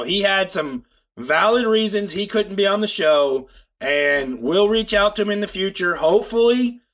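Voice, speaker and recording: A man's voice: sits high, fairly bright tone. A man co-hosting a casual podcast, stuffed up with a cold, speaking in an earnest, upbeat way. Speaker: podcast co-host.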